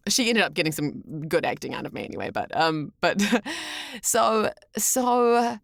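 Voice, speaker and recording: A woman with a New Zealand accent telling stories casually as a podcast guest, animated and quick to act out what people said. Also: medium pitch, vocal fry, no room sound, studio quality. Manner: animated storyteller, often acts out quoted remarks. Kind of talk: casual anecdotal interview chat.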